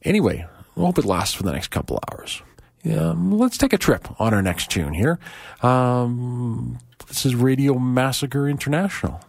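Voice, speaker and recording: A man hosting a music radio show, talking casually between tracks with a hoarse, croaky voice, loose and chatty with asides. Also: medium pitch, expressive, normal speed, no room sound. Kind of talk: relaxed radio back-announcing.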